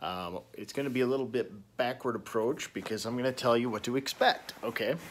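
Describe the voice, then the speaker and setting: A man speaks quietly at a moderate pace, his pitch sitting in the middle range. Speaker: car YouTuber and amateur racer. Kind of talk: casual vlog talk to camera. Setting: hotel room. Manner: hesitant, many fillers.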